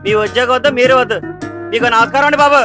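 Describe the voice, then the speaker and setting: A man acting as a cheeky young shop worker who talks back to his boss in rapid, sulky bursts. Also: very high voice, over music. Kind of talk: film comedy acting.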